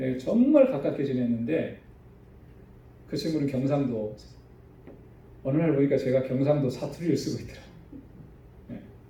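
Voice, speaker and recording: This man has a medium pitch and a dark, mellow, somewhat breathy tone. Audible room echo surrounds his voice. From South Korea. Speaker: pastor. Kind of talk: sermon. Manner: conversational, asks rhetorical questions.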